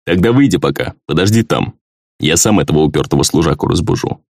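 A man voicing a stern old gnome army colonel who talks in a gruff, matter-of-fact way. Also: extremely low pitch, animated, fast talker, a little mellow, no room sound, studio quality, full character voice.

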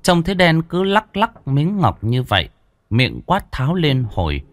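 Brief: male ghost-story narrator, lively swings in pitch, dry close-mic sound. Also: a little slow, dry recording. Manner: animated storytelling.

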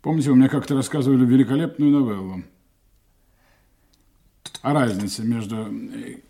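An actor playing a suave, menacing secret agent in an audio drama, sly and mockingly courteous in a theatrical way. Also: male voice, mid-range voice, steady tone, normal speed, gravelly, dark tone, natural voice. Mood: sly, controlled. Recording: music behind the voice.

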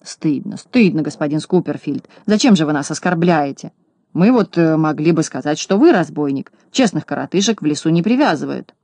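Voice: medium pitch, lively intonation, moderate pace, a little mellow, no echo. A slick male swindler talks in a polished, falsely courteous way, as a storybook reader puts him on. The recording is close and dry. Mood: smooth. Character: smooth-talking male swindler, mock-polite. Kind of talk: audiobook narration.

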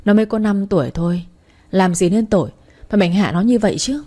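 A woman's voice: medium pitch, a little fast, mellow, natural voice. A woman voicing a furious elderly grandmother who scolds harshly through clenched teeth. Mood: outraged.

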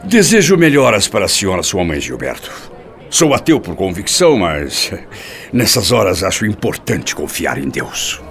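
Um ator brasileiro de radionovela interpretando um padrasto de meia-idade, ardiloso e persuasivo, que finge sinceridade. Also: male voice, low-pitched, big pitch swings, moderate pace, a bit bright, faint music behind, heavily acted. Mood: feigned sincerity. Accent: Brazilian. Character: scheming stepfather, outwardly sincere, persuasive middle-aged man. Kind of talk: radio drama acting. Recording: clearly noisy, traffic ambience.

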